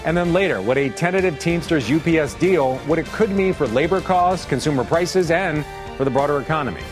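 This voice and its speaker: A man's voice: a little high, animated, fairly quick, over music. A man anchoring a financial news broadcast, presenting to viewers and putting questions to guests.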